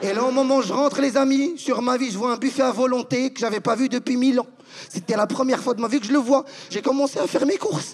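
A man at an extremely high pitch, very fast, with ordinary pitch variation. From Casablanca, Morocco. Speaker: stand-up comedian. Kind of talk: stand-up. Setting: stage with audience. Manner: animated. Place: stage. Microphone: handheld.

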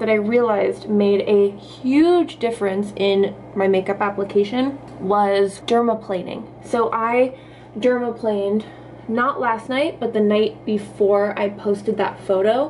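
At a fairly slow pace, a woman speaks with ordinary pitch variation and very even loudness over light background noise. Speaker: beauty vlogger. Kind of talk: makeup tutorial. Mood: relaxed, cheerful. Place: bathroom. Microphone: phone near.

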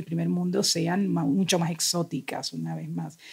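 A woman with a fairly low pitch speaks in a dark, mellow tone. Her voice is somewhat breathy, and her pace is moderate. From Colombia (Cartagena). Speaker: novelist. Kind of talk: casual chat. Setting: video call.

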